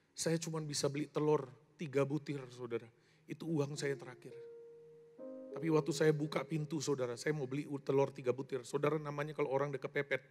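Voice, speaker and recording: A man preaching a sermon as pastor, calling the congregation "saudara" and swinging from loud emphasis to quiet asides. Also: fairly high pitch. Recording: long hall reverb with soft music behind.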